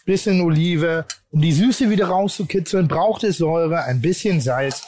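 A man chatting casually while cooking at a grill, brisk and teasing, listing ingredients as he goes. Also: on the high side, a little mellow, a little hiss or hum. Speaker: cook at the grill, co-host.

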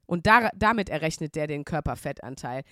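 A woman co-hosting a casual chat podcast, telling anecdotes and slowly mimicking the people in them. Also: low-pitched, no echo, clean studio sound. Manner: storytelling, mimics callers in a slow flat voice. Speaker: podcast co-host.

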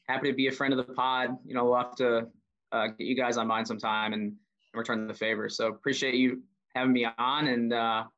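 Man podcast guest, monotone, dull lo-fi remote audio. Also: medium pitch. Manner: modest, warm thanks, trailing "uh"s.

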